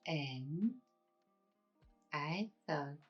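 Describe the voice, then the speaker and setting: A woman guiding an ASMR meditation in a hushed, unhurried way, leaving long pauses between short phrases. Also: low voice, lively intonation, breathy edge, lo-fi sound, soft background music. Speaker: ASMR host and meditation guide. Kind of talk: slow ASMR guided meditation.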